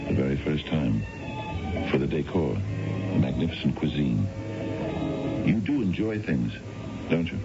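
Very deep, gravelly, suave businessman. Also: lively intonation, heavily acted. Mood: charmed, earnest. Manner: polished, formal phrasing with hesitant pauses. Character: suave, courtly male financial adviser, flattering a client. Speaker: radio drama actor. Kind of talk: 1970s radio drama acting. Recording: dull vintage radio, music behind.

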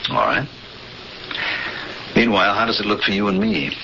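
A man's voice: on the low side, very animated, moderate pace, creaky, slight background noise, heavily acted. A man acting in a 1970s radio drama as a brash, questioning prisoner who tells his own story in blunt, colloquial words. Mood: probing. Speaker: actor playing narrator and protagonist. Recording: dull vintage radio broadcast, loud music.

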